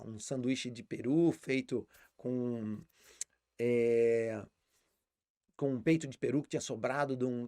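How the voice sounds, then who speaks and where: A man's voice: medium pitch, darkish tone, dry recording, clean studio sound. A man with a Brazilian Portuguese accent teaching English in a live online lesson, explaining patiently and repeating words as he thinks.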